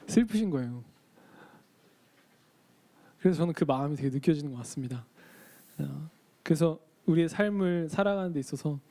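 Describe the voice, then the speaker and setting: A man's voice: on the high side, poor audio. A young man preaching a casual sermon in a church, chatting with the congregation, asking them questions and acting out quoted lines. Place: church sanctuary.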